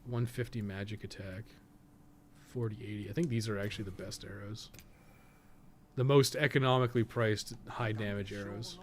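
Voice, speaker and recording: A man's voice: lowish voice, steady tone, normal speed, a little hiss or hum. A man doing casual livestream commentary on a video game, rambling and muttering his thoughts aloud as he plays. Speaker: host of a game guide livestream.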